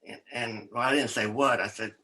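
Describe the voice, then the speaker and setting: A man's voice: medium pitch, moderate pace. An older man, an author, telling a rambling story as an interview guest, often quoting others and laughing. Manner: rambling, animated storyteller with laughs and quoted voices.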